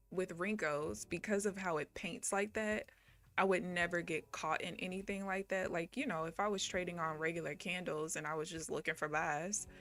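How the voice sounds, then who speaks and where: A young woman from Missouri talks through her trades in a relaxed, chatty live-stream voice that sits on the low side. She laughs easily and chats with her viewers as she goes. Faint music plays under her. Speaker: day trading livestreamer. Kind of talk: casual live-stream commentary.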